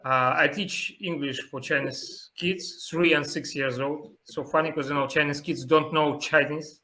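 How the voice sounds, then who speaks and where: Russian man with bright, lively chatter. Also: a little high, slight background noise, low-quality recording. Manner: halting learner's English, laughs often. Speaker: host. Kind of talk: casual interview chat.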